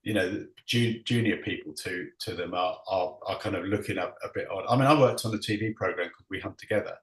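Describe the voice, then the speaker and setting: A man's voice: sits low, fast talker. A man chairing an online panel discussion, stumbling over his words with many repeats and frequent laughter, heard over a video call. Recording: roomy echo.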